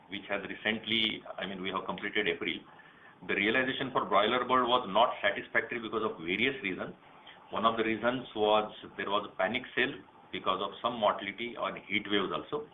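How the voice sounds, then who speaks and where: A man with an Indian accent answering questions formally on an earnings call, in the measured way of a senior company manager. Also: fairly low pitch. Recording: tinny phone line, some noise.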